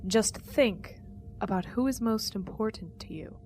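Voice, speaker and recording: An actress playing a cold, controlling female boss in an audio drama, stern, sardonic and quietly threatening. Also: mid-range voice, a little slow, a little hiss or hum, lightly acted.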